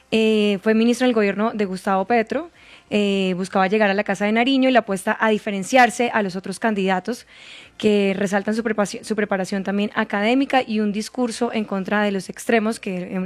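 A woman reporter reading candidate profiles in a steady news style. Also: mid-range voice. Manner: reads steadily, with some fillers.

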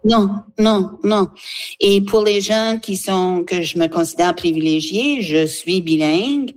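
A woman, a guest speaking earnestly for a seniors' association, pausing often with fillers. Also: mid-range voice, a little mellow. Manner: earnest, halting, with many fillers. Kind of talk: radio interview, advocacy.

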